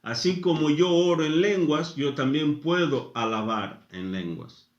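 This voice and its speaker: A man preaching a sermon, speaking in short phrases with frequent pauses. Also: on the high side, echoey room, muffled recording. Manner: slow, deliberate, pausing after short phrases. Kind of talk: sermon teaching.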